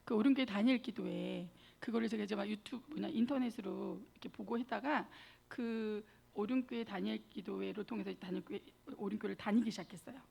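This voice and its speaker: Gravelly-voiced woman preaching a sermon. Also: mid-range voice, brisk, few pauses. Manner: animated storytelling, acting out quotes and addressing the congregation. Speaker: guest speaker, institute director.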